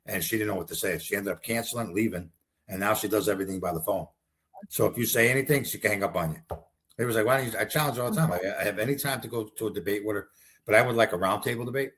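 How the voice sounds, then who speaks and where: A man's voice: lowish voice, fairly bright tone. A man running for Congress, talking bluntly and combatively in a rambling political interview. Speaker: congressional candidate.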